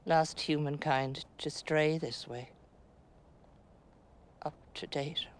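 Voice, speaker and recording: An actress playing a chattering, stoic middle-aged woman buried in the earth, speaking a slow, halting stage monologue. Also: low voice, fairly even intonation, slight background noise. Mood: wistful musing. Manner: slow, deliberate, halting delivery with long pauses. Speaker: actress in a filmed stage play.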